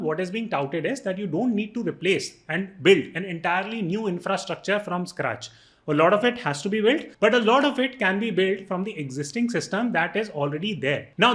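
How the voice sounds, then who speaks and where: A man's voice: high-pitched, a bit bright. A man with an Indian accent giving a conversational explainer to viewers, posing questions and answering them, with occasional Hindi phrases mixed in. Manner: mixes Hindi phrases into English. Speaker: video presenter explaining investing.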